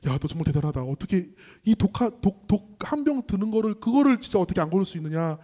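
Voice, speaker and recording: A man voicing a sly, mocking male devil who taunts and tempts. He speaks low and hushed. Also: very animated, quick pace. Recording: long reverb in a hall.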